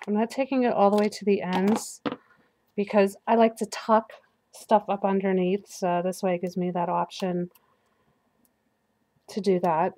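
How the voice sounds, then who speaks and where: A woman's voice: medium pitch, level tone, a little slow, long pauses, warm tone. A woman getting over the flu, chatting casually to herself while demonstrating a paper craft at her work table. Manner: chatty, self-talking while working, laughs at slips. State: recovering from flu. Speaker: crafting video host. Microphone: overhead camera above work table.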